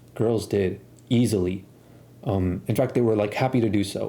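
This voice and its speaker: A man speaks in a dark, mellow tone. Vocal fry runs through his voice. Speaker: streamer. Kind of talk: casual monologue. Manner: fast; clear.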